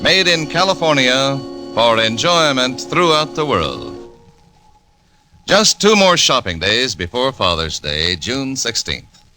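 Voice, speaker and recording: A man's voice: medium pitch, pushed and bright. A man announcing in a polished, persuasive 1940s radio commercial style.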